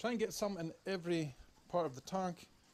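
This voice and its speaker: This man speaks with a Scottish accent. His pitch is high. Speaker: aquarium hobbyist youtuber. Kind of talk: tutorial. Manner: slurs words.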